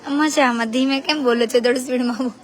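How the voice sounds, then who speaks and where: A woman hosting a casual live stream, chatting with people and teasing them with quick follow-up questions. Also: high-pitched, steady tone, a bit bright.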